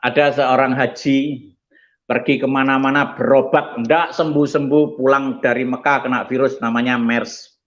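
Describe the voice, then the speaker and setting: A male pastor giving an animated testimony sermon, telling stories and acting out the people in them. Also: mid-range voice, moderate pace, dull audio. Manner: animated storytelling, acts out quoted voices.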